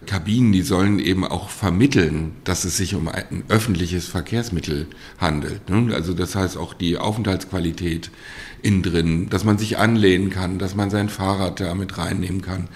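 Deep-voiced man, halting and casual. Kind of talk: interview soundbite.

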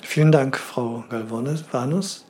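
A man's voice: mid-range voice, takes it slowly, a little mellow, slight background noise, lightly acted. An actor playing a polite, earnest male interviewer in a radio play, asking questions in a factual way.

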